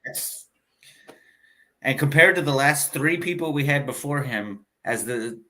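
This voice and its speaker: Jokey male co-host, bright tone, easy banter. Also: medium pitch, lively intonation, poor audio. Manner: jokey, quick to laugh. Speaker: podcast co-host. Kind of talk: casual sports chat.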